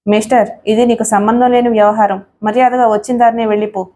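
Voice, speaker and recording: A menacing, arrogant villain man, as a woman reads him in an audio story. The voice is taunting and sneering, mellow in tone and pitched a little high. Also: level tone, fast, close to an everyday voice. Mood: angry. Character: menacing young male villain, lustful and arrogant.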